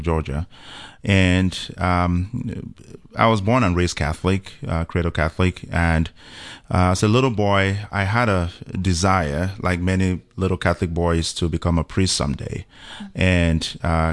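A man from Cameroon in his forties, a pastor leading a prayer and telling his story at a measured pace with many pauses. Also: low voice, clear, resonant tone, no echo, studio quality. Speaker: pastor, guest. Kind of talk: prayer and interview talk.

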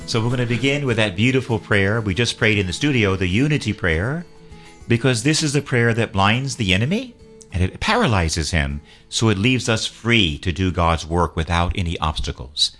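A man's voice: lowish voice, lively intonation, normal speed, fairly bright tone, soft background music. A man, a priest, hosting a radio talk show, earnestly exhorting and leading call-and-response prayer.

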